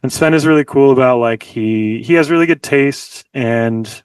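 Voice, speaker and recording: A chatty man chatting as a guest over a video call, his speech full of "like" fillers. His voice sits at a middling pitch. The sound is dry and he is a little far from the mic. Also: moderate pace, smooth, dry recording. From Los Angeles, United States. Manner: chatty, leans heavily on "like" fillers. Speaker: guest musician. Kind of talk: casual interview chat. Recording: dry, slightly distant mic.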